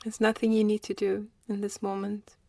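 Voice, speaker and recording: A woman leading a guided meditation in a slow, gentle manner with long pauses. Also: mid-range voice, monotone, creaky, no room sound.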